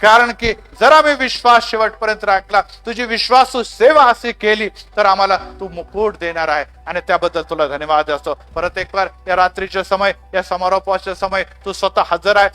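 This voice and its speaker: A man's voice: sits high, pushed and bright. A male pastor preaching fervently and leading a closing prayer at a church gathering, punctuating his points with repeated exclamations.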